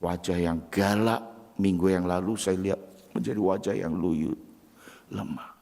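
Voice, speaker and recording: An older man, a pastor, preaching a sermon and telling stories. He moves from loud, emphatic preaching to hushed, quiet storytelling. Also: low-pitched, gravelly, breathy edge, in a large hall. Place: church sanctuary.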